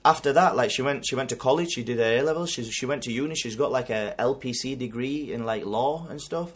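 A young man in his twenties, born in Pakistan with Urdu as his first language, telling a story in an animated, slangy way on a podcast. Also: medium pitch, brisk, husky. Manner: animated slangy storytelling, heavy use of "like" and "bro". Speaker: podcast host. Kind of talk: casual chat.

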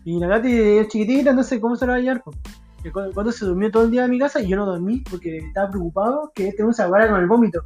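Un hombre joven con acento chileno que cuenta una anécdota entre amigos, con mucha jerga y voces imitadas. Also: male voice, high-pitched, racing, faint music behind. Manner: animated, acts out quoted voices, heavy slang. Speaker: storyteller among friends. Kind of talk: casual chat.

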